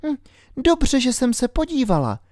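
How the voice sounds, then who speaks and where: A man's voice: huge pitch swings, no room sound, studio quality, heavily acted. A man putting on a bold curious little girl. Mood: wary. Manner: high childlike shouting.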